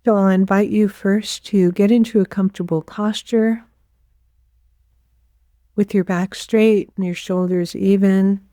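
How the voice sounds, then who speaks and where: A woman leading a guided meditation as a teacher, giving gentle, unhurried instructions with pauses. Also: medium pitch, fairly even intonation, no room sound, clean studio sound.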